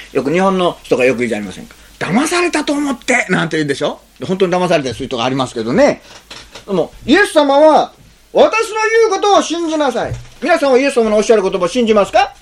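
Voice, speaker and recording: A pastor giving a conversational sermon, asking the congregation rhetorical questions and acting out short spoken lines. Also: mid-range voice. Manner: acts out short spoken lines in changing tones.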